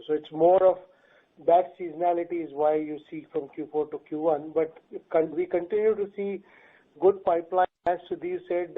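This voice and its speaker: A man explaining results as a company executive on an earnings call. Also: fairly high pitch. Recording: thin tinny phone line.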